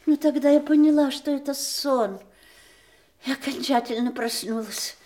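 Radio drama role, for an actress: polite, troubled woman, high voice, expressive deliberate storyteller. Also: close to an everyday voice. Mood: shaken. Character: troubled, polite woman recounting a frightening dream. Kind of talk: audio stage drama, theatrical monologue.

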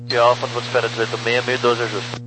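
A man's voice: mid-range voice, monotone, fast talker. A Brazilian man, a pilot, giving readbacks over a radio. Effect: radio transmission. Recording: very noisy aircraft radio.

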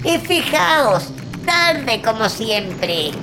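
A woman's voice: on the high side, big pitch swings, extremely slow, music in the background, full character voice, poor audio. A woman playing a scornful, bony old master of a crypt in a comedy horror audio drama, scolding theatrically.

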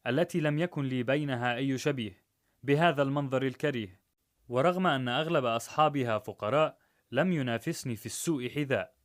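A man narrating a rhymed story in a measured, rhythmic way. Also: medium pitch, a bit bright.

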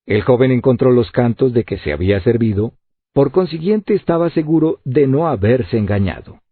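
Husky man narrating over tinny audio. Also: mid-range voice, lively intonation, normal speed, dry recording. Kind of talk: scripted narration.

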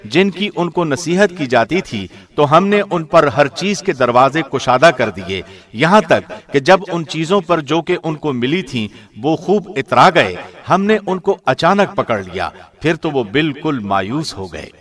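A man reading a scripture translation from a script in a measured, formal radio-presenter manner. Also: on the high side, big pitch swings, fairly bright tone. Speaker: translation reader.

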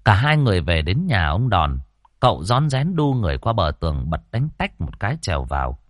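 Guy reading a ghost story, lively ups and downs, low voice. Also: fairly quick, dry recording, clean studio sound. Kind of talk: scripted narration of a ghost story.

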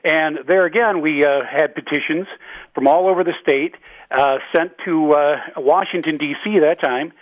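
A man, a state representative, talking earnestly on a phone-in interview, pausing often with filler sounds. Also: a little high, no echo. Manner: halting, with many filler sounds; tells stories earnestly. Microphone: telephone. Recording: dull, dry phone line.

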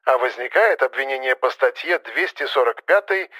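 A man voicing a calm, authoritative man speaking over a phone line, cool and measured, in an audiobook. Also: medium pitch. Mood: stern.

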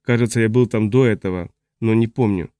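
A man reading the part of a confused, agitated man who has lost his memory, in a fretful, halting way. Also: fairly low pitch, mellow, smooth, no echo, studio quality, lightly acted. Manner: fretful, halting, trailing off mid-sentence. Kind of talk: audiobook character reading.

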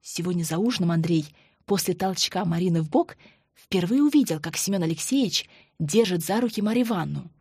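A woman narrating an audiobook in an even, measured way. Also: on the low side, husky, dry recording, clean studio sound. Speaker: audiobook reader.

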